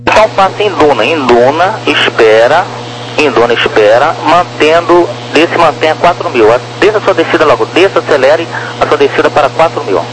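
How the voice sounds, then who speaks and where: A man's voice: a little high, animated, brisk, fairly bright tone. A Brazilian man working as an air traffic controller, giving clipped, repetitive procedural instructions over aviation radio. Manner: directive, repeats key phrases. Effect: aircraft radio transmission. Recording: noisy air-band radio with hum.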